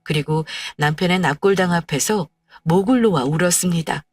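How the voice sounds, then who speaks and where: A woman's voice: fairly low pitch, moderate pace, slightly rough, dry recording. A woman narrating a first-person story in a scripted, confiding and emotional way. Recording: dry, slightly distant, faint music.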